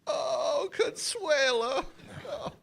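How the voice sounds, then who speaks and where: A man playing a goofy, excitable, sentimental driver in a staged comedy reading. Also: very high voice, extremely slow, vocal fry, heavily acted. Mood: melodramatic grief.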